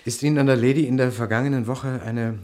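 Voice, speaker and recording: An actor playing a patient, probing police inspector in a German radio crime drama, halting and muttering as he questions. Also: mid-range voice, steady tone, a little mellow, lightly acted. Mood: probing, businesslike. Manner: halting, muttering, hums and repeats himself.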